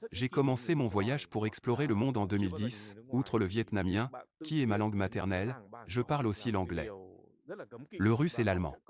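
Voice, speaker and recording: A man reading translated interview answers as a voice-over in a calm, plain way. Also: on the low side.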